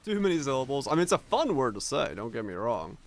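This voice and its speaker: A man's voice: medium pitch, very animated, fast. Man, young, from Finland, American accent, casual streamer chat, rambling, profane. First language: Finnish. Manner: rambling, loose and profane, with many restarts.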